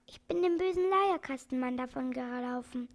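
A timid, tearful little monkey from a children's storybook, as a woman narrator puts it on. The voice is pitched high and comes out shaky and pleading. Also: moderate pace. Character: small, thin, frightened pet monkey.

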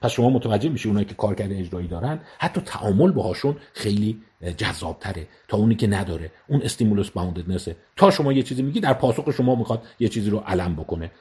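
Male lecturer with a lively, swinging voice; teaches by explaining terms and acting out little scenes. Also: lowish voice. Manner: explains terms and repeats them slowly, acts out example dialogues. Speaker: psychologist lecturer. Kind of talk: educational talk.

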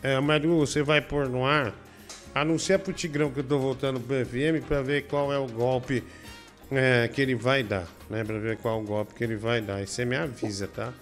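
Rambling livestream host. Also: male voice, mid-range voice, steady tone, moderate pace, soft background music. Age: adult with a daughter. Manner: rambling, full of "né?" and "ó" tags; shows objects to the camera while talking. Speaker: live stream host. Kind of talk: casual live stream chat.

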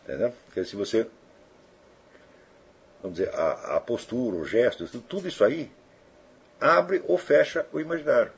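A man's voice: medium pitch, animated, moderate pace, vocal fry, long pauses, breathy edge. A man giving an informal spoken lecture, answering listener questions and tagging his sentences with checking questions.

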